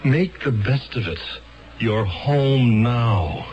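An ambitious, exasperated defense lawyer in a 1970s radio drama. His mid-pitched male voice swings widely as he cajoles, stammering and repeating himself. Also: lively intonation, slow, dull audio, loud music behind the voice. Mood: nervous soothing. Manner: hesitant, repetitive, cajoling patter.

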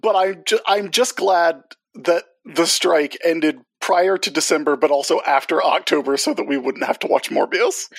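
A man's voice: on the high side, normal speed, few pauses, no room sound. A man co-hosting a casual movie podcast who jokes and makes dry asides. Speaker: podcast co-host.

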